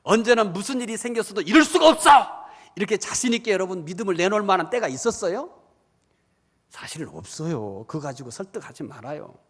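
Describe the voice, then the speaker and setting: A male pastor preaching a sermon, animated, asking the congregation questions and acting out believers' inner voices. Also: sits high, fast talker, breathy edge. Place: church hall. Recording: church hall reverb.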